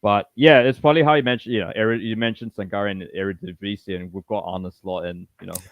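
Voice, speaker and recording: A man's voice: fairly low pitch, steady tone, fast, no room sound, dull audio. A man from Malaysia hosting a casual interview on a video call, talking in rambling bursts full of you-knows and restarts. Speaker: podcast host.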